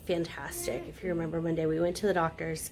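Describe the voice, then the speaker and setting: Moderately paced speech from a woman, with music behind her. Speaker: vlogger, stay-at-home mom. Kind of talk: casual vlog chat.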